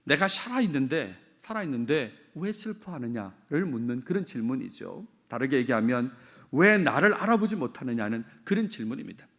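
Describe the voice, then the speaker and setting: Lively middle-aged Korean pastor preaching. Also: male voice, mid-range voice, brisk. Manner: expressive, repeats key phrases, asks the congregation questions. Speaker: senior pastor. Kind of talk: sermon.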